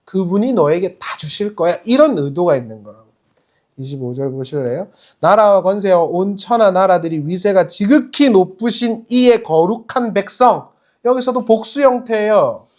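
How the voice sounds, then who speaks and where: A male pastor preaching a sermon in a conversational, lively way, putting rhetorical questions to the congregation. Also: high-pitched, moderate pace. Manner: acts out quoted speech in other voices.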